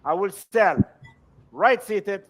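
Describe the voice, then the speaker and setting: Male auctioneer, notably high voice. Formal lot presentations, steady repeated bid calls to a live sale. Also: a little hiss or hum. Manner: auctioneer delivery, repetitive, measured bid calls.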